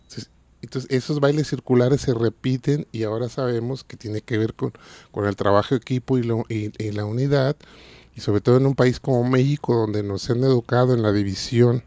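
A man's voice: medium pitch, steady tone, brisk, dark tone, no room sound. A man with a Mexican accent, a dance academy teacher, earnestly explaining in a casual radio interview.

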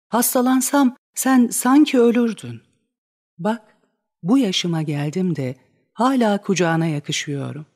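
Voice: mid-range voice, a little mellow, natural voice. A reader voicing a desperate, lovesick young woman in a dramatic reading of a stage play, pleading and crying out in rising outbursts.

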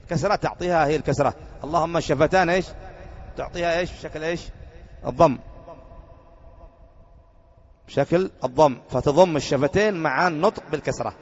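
A man's voice: a little high, fast talker, a little hiss or hum. A man teaching a classroom grammar lesson, quizzing his students with repeated questions. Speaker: sheikh teaching Arabic grammar. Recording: muffled recording in a reverberant hall.

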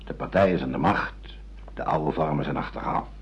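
A man's voice: very deep voice, brisk, breathy edge, exaggerated voice. An actor playing a stern, patient old father who questions and lectures insistently in a radio drama. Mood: lecturing. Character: stern, patient old father re-educating his grown son. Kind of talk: Dutch radio drama acting. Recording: dull, muffled radio play recording.

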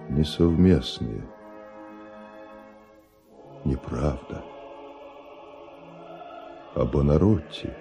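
An envious, secretly murderous composer in a radio play. The voice is extremely deep and shadowy, weighing each line of verse with grave, tormented deliberation. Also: male voice, mellow, full character voice. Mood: brooding, tormented. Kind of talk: classic Russian radio drama verse acting.

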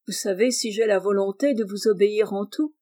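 A woman's voice: mid-range voice, brisk, dark tone, close to an everyday voice. A woman doing a meek, devoted housekeeper.

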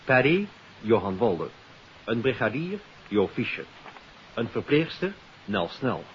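A man announcing on 1950s radio, formally reading out credits in a measured, itemised way. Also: mid-range voice, big pitch swings. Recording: hissy, dull 1950s radio recording.

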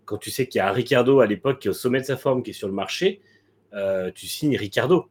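A man's voice: medium pitch, fast, breathy edge. A man co-hosting a motorsport talk show, giving frank, blunt opinions with many hesitant fillers. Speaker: motorsport podcast co-host. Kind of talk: casual opinionated chat.

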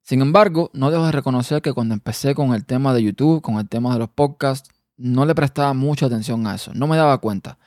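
A Cuban-accented man talks through a personal podcast episode on his own. He is a quick talker who now and then stumbles over a word. His voice sits at an ordinary middle pitch in a dry room with no echo. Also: darkish tone. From Cuba. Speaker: podcast host.

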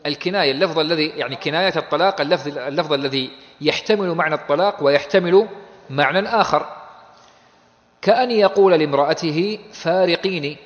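A man teaching a law text in a classroom lecture. He asks questions, answers them himself, and explains in plain conversational terms. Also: on the high side. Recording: dull audio with long hall reverb.

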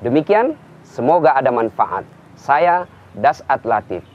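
A man's voice: mid-range voice, measured pace. A man giving a televised Islamic sermon, telling stories with humorous examples. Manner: lively storytelling preacher, humorous examples. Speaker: Islamic preacher. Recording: dull lo-fi recording.

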